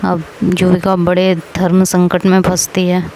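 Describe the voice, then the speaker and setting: A woman's voice: lowish voice, monotone, measured pace, very noisy. Woman narrating an audio story, casual tone. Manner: plain conversational narrating.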